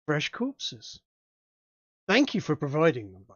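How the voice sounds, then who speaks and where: A man's voice: fairly high pitch, very animated, slow, dry recording, muffled recording, heavily acted. A man voicing a smug, menacing male cultist wizard in a tabletop game, speaking emphatically.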